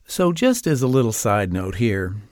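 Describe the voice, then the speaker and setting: A man's voice: lowish voice, big pitch swings, normal speed, a little mellow, no echo, studio quality. A man hosting a devotional podcast, reading aloud an allegory of his own in an earnest storytelling manner. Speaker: podcast host.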